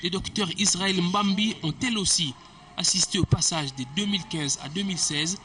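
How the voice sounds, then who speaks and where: High-voiced male news reporter. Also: sharp tone, slight background noise. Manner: measured, formal reporting.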